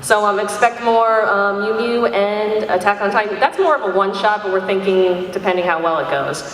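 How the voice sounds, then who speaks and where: A woman's voice: medium pitch, moderate pace. A woman talking casually as a panelist at a convention. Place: large indoor convention panel room. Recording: distant, very echoey hall, faint noise.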